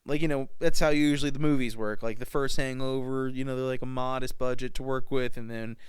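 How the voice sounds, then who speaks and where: A man's voice: mid-range voice, steady tone, fairly quick, clean tone, dry recording. A man co-hosting a podcast in casual chat, rambling through jokes and laughing often. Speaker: podcast co-host.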